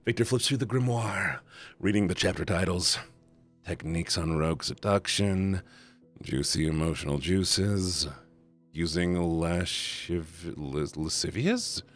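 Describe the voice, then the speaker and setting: A low-pitched, husky man reads a visual novel aloud during a live stream, reacting as he goes and shifting between the story's narration and friendly asides to his chat.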